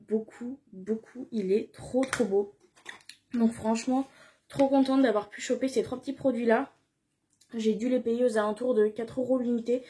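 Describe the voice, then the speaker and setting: A woman's voice: on the high side, warm tone. A young woman chatting casually in a beauty haul video, gushing with enthusiasm and repeating words for emphasis. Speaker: beauty vlogger.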